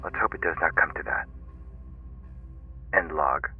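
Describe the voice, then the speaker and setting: Deep-voiced formal starship engineer. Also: male voice, a little slow, narrow, tinny audio, faint music behind. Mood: troubled, formal. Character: formal, harried chief engineer of a mining spaceship. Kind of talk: sci-fi audio drama log recording.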